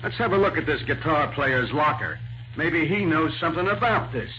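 An actor playing a brisk, blunt American police sergeant in 1940s radio crime drama. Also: male voice, on the high side, expressive, over music, lightly acted. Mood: brisk, suspicious. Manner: blunt, slangy questioning. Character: gruff, brisk police sergeant on a murder case. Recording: dull, noisy 1940s radio recording.

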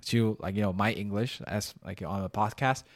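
A man whose first language is Chinese, chatting casually and laughing, with a relaxed, slightly profane way of talking. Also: moderate pace. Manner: casual, laughing, swears lightly, animated pitch. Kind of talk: casual podcast chat.

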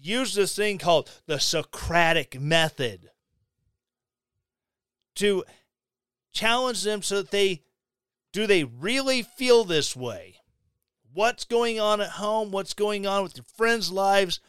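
Slow, blunt ranting man from Missouri. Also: high-pitched, animated, fairly bright tone, smooth, no echo, studio quality. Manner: blunt, ranting, sarcastic asides. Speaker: podcast host. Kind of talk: opinionated monologue.

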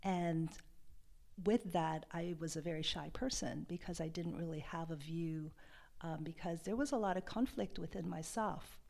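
A woman from Hawaii, a love and sexuality coach, talking in a soft, hesitant and reflective way as an interview guest. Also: fairly low pitch, normal speed, gravelly. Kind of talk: podcast interview.

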